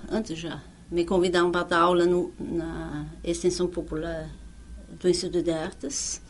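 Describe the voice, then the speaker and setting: An older woman who is not a native speaker, recalling her years as a music teacher in an oral history interview, speaking haltingly with frequent restarts. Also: lowish voice, a little hiss or hum. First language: not Portuguese.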